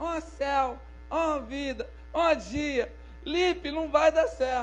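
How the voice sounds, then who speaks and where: Amid clear background noise, a man puts on a whiny character voice at an extremely high pitch, speaking fairly slowly. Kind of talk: droning. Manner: gloomy, complaining, whining.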